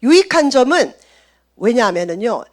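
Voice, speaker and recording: A woman's voice: fairly high pitch, very animated, moderate pace, a little mellow. A middle-aged woman pastor with a Gyeongsang Korean accent, preaching a sermon in a chatty way and acting out sample prayers.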